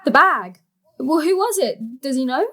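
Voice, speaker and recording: A woman's voice: high voice, lively intonation, a little slow, fairly bright tone. A woman playing a sensible, anxious young granddaughter in an audio drama, plain-spoken and a little exasperated. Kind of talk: stage-thriller audio drama acting.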